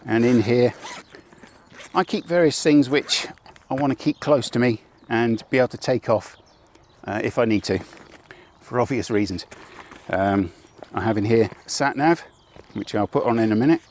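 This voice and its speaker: A man's voice: medium pitch, normal speed, darkish tone, slight background noise. An older man on a lapel radio mic, talking casually and wryly outdoors at a campsite as he shows off his motorcycle kit. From Britain. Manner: chatty, wry, with self-deprecating jokes. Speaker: motorcycle travel vlogger. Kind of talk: casual vlog, mock advert at the start. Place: outdoors at a campsite car park.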